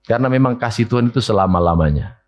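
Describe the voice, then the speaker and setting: Pastor preaching lively. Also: male voice, quick pace, dull audio. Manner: lively preaching, asks the congregation questions; mimics whiny complaints in a high voice. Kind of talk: sermon. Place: church hall.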